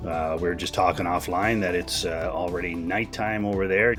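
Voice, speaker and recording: A Canadian man with a slightly husky voice, hosting a podcast and interviewing a guest in a casual, conversational way. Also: low-pitched, steady tone, normal speed, music in the background. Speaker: podcast host.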